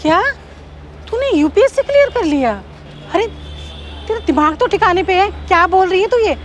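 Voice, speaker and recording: A woman's voice: very high voice, expressive, normal speed, a little hiss or hum. An actress playing a scolding older woman who disbelieves and rebukes the young woman. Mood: incredulous. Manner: scolding, incredulous. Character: sharp-tongued older woman, mother-in-law or aunt.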